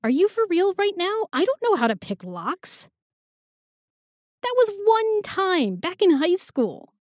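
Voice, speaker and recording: A woman's voice: extremely high pitch, a little slow, dry recording, clean studio sound, heavily acted. A woman playing an irreverent, plucky modern young woman with a casual manner in a fantasy audio drama. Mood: flippant. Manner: casual, flippant, excitable.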